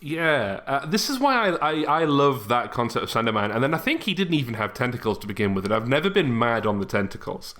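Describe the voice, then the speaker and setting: A man's voice: mid-range voice, sing-song, fairly quick, few pauses, fairly bright tone. A man hosting a podcast, chatting casually as he interviews a guest. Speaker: podcast host.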